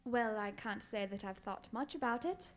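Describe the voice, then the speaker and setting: A kindly, sentimental gentleman companion, played by a woman in radio theatre. The voice is high, with a genteel manner and an exclamatory way of reacting. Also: animated, normal speed, lightly acted. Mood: genial, sympathetic.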